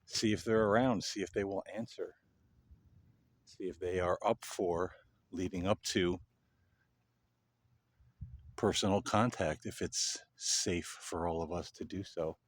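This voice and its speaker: A man talking casually and unscripted to camera as a paranormal vlog host, with a halting delivery that pauses mid-sentence. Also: sits low, fairly even intonation, no echo. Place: parking lot at night.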